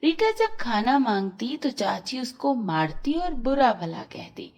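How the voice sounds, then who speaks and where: Female storyteller for kids' cartoons: high, lively pitch, slow delivery. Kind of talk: scripted children's story narration.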